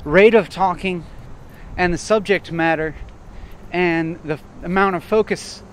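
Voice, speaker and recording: A man walking outdoors and thinking aloud in short, broken phrases, at times loud and assertive, almost shouting. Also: high voice, unhurried, a little hiss or hum. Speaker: vlogger. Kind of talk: reflective walking monologue. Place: outdoors on a street while walking.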